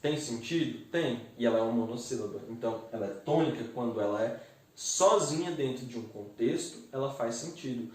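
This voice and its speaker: Teacher in a very echoey room. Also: male voice, mid-range voice, a little fast. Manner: explains step by step, often checks in with the class. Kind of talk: classroom grammar lesson. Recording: echoey room, mic set far off.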